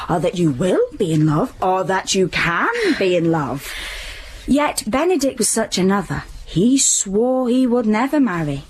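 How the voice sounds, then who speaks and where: An actress playing a quick-witted, teasing young waiting-woman with bawdy jokes in a Shakespeare audio play. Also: mid-range voice, a little hiss or hum, natural voice.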